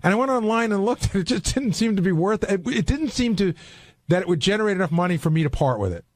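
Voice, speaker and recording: A man's voice: high-pitched, very animated, fast. A man on a radio panel chatting casually and emphatically, as a member of the show's staff. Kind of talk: casual unscripted panel chat.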